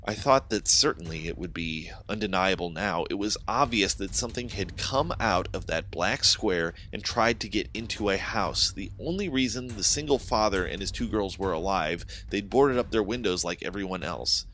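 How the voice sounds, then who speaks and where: A man's voice: low voice, lively intonation, moderate pace, hardly any pauses, a bit bright, slight background noise. A man reading a scripted horror story as a dramatic first-person narrator.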